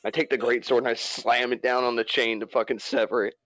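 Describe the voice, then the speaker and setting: A man playing in a tabletop game, narrating his character's actions excitably, swearing freely and shouting his character's lines. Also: mid-range voice, fairly quick, no echo. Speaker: player.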